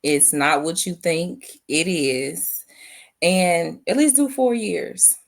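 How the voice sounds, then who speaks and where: A woman's voice: on the low side, slow, vocal fry. A young adult woman, a veteran and business owner, giving thoughtful interview answers and often repeating her phrases.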